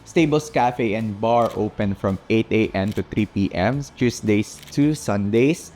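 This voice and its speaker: A man's voice: on the low side, unhurried, a little mellow, a little hiss or hum. A man with a Filipino accent, a native Tagalog speaker, narrating a storytime vlog. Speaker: vlogger. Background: background music.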